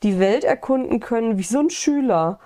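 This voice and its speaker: Woman, mellow mid-range voice, loose and eager gaming chat. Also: fairly high pitch, lively intonation, normal speed. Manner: chatty, enthusiastic, swears casually.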